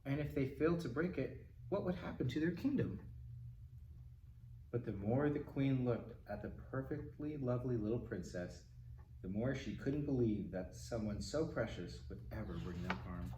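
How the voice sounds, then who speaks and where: A man reading a children's picture book aloud as a storytime host, in an expressive, dramatic manner with asides to the listeners. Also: mid-range voice, moderate pace. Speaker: library storytime reader. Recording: roomy, distant mic, faint noise.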